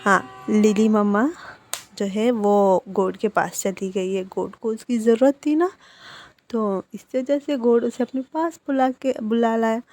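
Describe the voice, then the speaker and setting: A woman voicing a protective young man who tells the children firmly what to do and then comforts them gently. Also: a little high, fairly even intonation, a little slow, close to an everyday voice. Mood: soothing. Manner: firm scolding, then gentle soothing.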